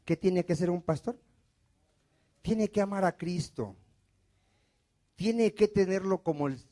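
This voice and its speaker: A man with a high voice preaches a sermon in church, questioning his listeners and answering himself. His delivery swings between loud, emphatic lines and quiet, falling endings. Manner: call-and-response preaching, asks questions and answers them himself. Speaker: pastor.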